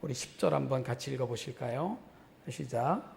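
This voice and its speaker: A man preaching a sermon as pastor, acting out quoted dialogue in a lively, conversational way. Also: mid-range voice, normal speed, gravelly. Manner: acts out quoted dialogue between God and Moses in casual speech. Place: church sanctuary. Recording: church hall reverb.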